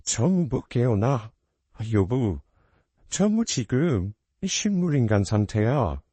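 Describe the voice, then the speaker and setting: A man as a grieving husband urging calm. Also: mid-range voice, slow pace, slightly rough, dry recording, exaggerated voice. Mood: grave. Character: grieving husband and father, steady.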